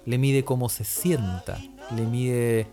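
A man's voice: mid-range voice, takes it slowly, mellow, faint music behind. Chilean man swearing through a casual rant. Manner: heavy slang and swearing, exasperated comic exaggeration. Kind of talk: casual comic storytelling chat.

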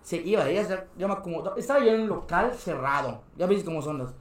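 A young man with a high voice and a Mexican Spanish accent talks at a quick pace as a podcast guest. He shares casual stories, laughs often, and acts out other people's voices, and the room has an echo.

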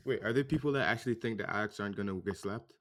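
A man's voice: on the low side, rapid-fire, a bit bright. A man talking informally in casual football banter.

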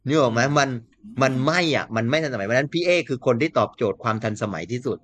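Brief: male commentator, mid-pitched, dry close sound, lively casual political talk. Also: fast, dry recording. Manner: animated, mimics quotes, laughs often.

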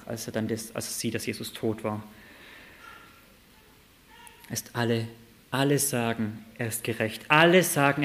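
A man preaching a sermon, reading Bible verses aloud and asking lively rhetorical questions, moving between loud and soft passages. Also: medium pitch.

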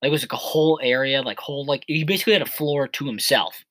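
Rambling twenty-something male co-host, bright tone, dry booth sound. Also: medium pitch, fast, no room sound. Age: 20s. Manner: rambling, heavy on filler words. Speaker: podcast co-host. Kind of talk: casual chat.

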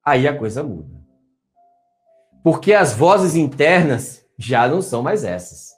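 A man's voice: a little high, measured pace, faint music behind. A man with a Brazilian Portuguese accent, giving a motivational talk as a coach and coaxing his audience to answer. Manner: animated, coaxing, asks listeners to answer.

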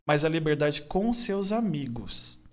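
Brief: late-20s São man, opinionated podcast guest, rambling but earnest, voice a touch high. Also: very animated, a little slow. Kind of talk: casual podcast conversation.

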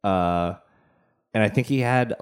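Deadpan man co-hosting a chat podcast. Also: fairly low pitch, takes it slowly, smooth. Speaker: podcast co-host. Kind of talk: casual chat.

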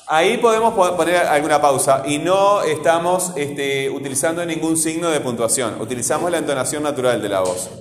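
A man's voice: a little high, brisk, few pauses. A male teacher giving a class lesson, quizzing his pupils and often checking in with a questioning "right?". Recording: echoey room with long reverb, faint noise.

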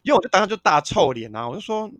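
A man's voice: high-pitched, very fast, no echo. A man, co-hosting a casual chat and telling stories with acted-out quotes. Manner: animated, acts out quotes of others. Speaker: podcast co-host.

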